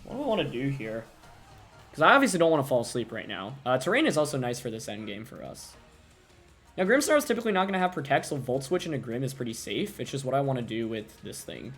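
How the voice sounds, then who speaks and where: A man's voice: mid-range voice, sing-song, quick pace, fairly bright tone, soft background music. A young man commentating his own competitive video game battle, thinking aloud and second-guessing his plays. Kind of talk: live gameplay commentary.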